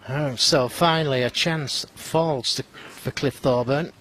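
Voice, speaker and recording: Measured male snooker co-commentator. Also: mid-range voice, a bit bright, poor audio. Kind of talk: sparse, conversational snooker commentary.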